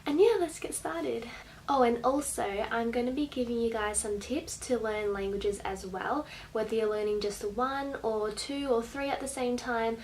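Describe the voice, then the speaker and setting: A woman's voice: fairly high pitch, normal speed, darkish tone, poor audio. A young woman with an Australian accent, explaining things casually to camera as a vlogger in a bedroom. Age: late teens to young adult. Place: small bedroom indoors. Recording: faint background room noise.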